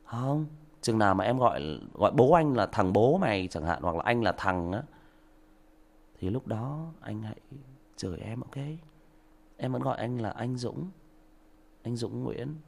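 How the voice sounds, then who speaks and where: A man lecturing a commenter during a livestream, sarcastic and scolding, with sudden loud outbursts. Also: medium pitch, lively intonation, a little slow, vocal fry, pauses often. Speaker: livestream story reader addressing a commenter. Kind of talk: livestream rant.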